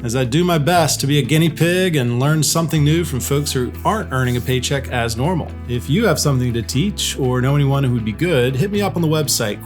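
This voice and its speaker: A man hosting an online series, interviewing a chef over video chat from his home kitchen in an upbeat, friendly way. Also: medium pitch. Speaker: host. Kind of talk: casual video-chat interview and cooking lesson.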